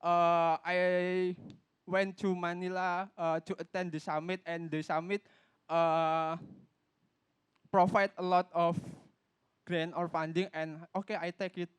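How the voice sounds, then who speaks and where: A man from Indonesia with an Indonesian accent, giving a public talk in halting English with many fillers and restarts. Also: sits high, level tone, clear, resonant tone, no echo. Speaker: speaker at a youth talk event. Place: event stage.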